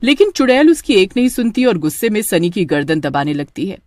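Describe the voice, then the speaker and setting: Woman storyteller for a cartoon horror tale, steady, mid pitch, dry close voice-over. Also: brisk, no room sound. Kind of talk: scripted horror story narration.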